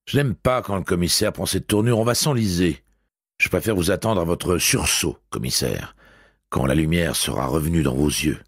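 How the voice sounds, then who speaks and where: A man's voice: deep voice, moderate pace, slightly rough, dry recording, clean studio sound. A man voicing a blunt, impatient older woman in an audiobook.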